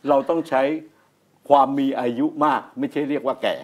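A man's voice: medium pitch, fairly quick. An older man, co-hosting a talk show and telling anecdotes in casual chat. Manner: anecdotal, animated storyteller. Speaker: show co-host.

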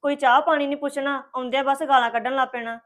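A woman's voice: high voice, steady tone, quick pace, a bit bright. An actress playing a young college student defending herself to her family. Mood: defensive. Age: young adult. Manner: defensive, explaining, hurt.

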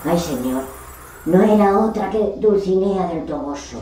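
A woman performing a theatrical monologue as a discarded literary character, bitter, self-pitying and indignant, lamenting with dramatic pauses. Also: fairly low pitch, animated, mellow. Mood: pained indignation. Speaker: actor rehearsing a monologue. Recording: distant mic, echoey room, faint noise.

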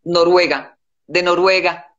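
Woman, 60s, calm and measured, guest on a video call, dull lo-fi sound. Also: on the low side. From born in the United States, raised in Colombia. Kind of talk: casual live-stream chat. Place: indoor room at home.

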